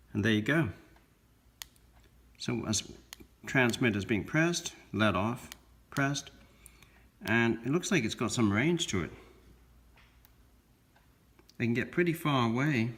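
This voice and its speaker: A man presenting a science video, explaining a demonstration step by step in measured, halting short phrases. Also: on the low side, a bit bright. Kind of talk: explanatory narration of an electronics demonstration.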